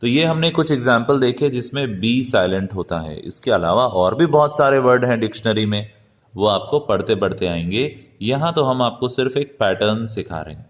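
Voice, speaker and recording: A man teaching an English lesson from India, speaking slowly and deliberately and spelling words out letter by letter. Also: on the low side, big-room sound. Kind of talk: classroom lesson.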